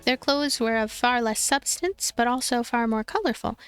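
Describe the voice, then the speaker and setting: Higher-voiced woman narrating a game. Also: moderate pace, smooth, soft background music. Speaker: let's play host and narrator. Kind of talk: narrated visual novel reading.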